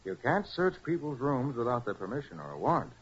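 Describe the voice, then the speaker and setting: An actor playing a brisk, confident American master detective in a 1940s radio drama, speaking with crisp authority. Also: male voice, medium pitch, sing-song, lightly acted. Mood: methodical. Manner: crisp, authoritative, matter-of-fact. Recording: muffled, hissy 1940s radio recording.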